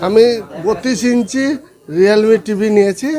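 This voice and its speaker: A man's voice: sits high, steady tone, measured pace, dark tone. A man, a customer giving short spontaneous interview answers.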